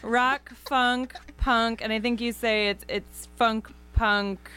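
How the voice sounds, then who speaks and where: A woman's voice: a little high, fairly even intonation, slow pace, sharp tone, clean tone. An American woman hosting a radio interview in a studio, chatty and enthusiastic, poking fun at herself. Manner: chatty, enthusiastic, self-deprecating. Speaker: radio host.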